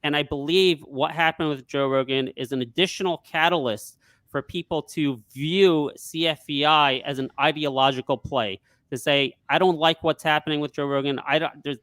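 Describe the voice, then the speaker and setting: A man who works as a stock trader, talking casually in a live market discussion and pitching his view with confident emphasis. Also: moderate pace, fairly bright tone, dry recording.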